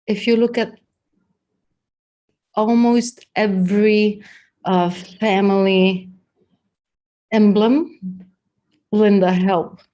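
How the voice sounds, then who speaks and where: A woman with a Danish accent teaching body language in a chatty, unhurried workshop talk, with many fillers and restarts. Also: mid-range voice, steady tone, warm tone. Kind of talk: live-streamed workshop talk.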